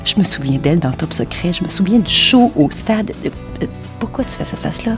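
A woman's voice: fairly low pitch, expressive, brisk, natural voice. An actress playing a curious, starstruck woman in a scripted café sketch. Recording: music behind the voice.

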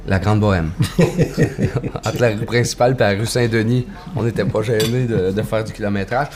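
Storyteller guest, man, Québécois accent, low voice, easygoing folksy delivery. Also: fairly even intonation, moderate pace, background noise. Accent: Québécois French. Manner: easygoing and folksy, with loose fillers and tags. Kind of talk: casual conversation.

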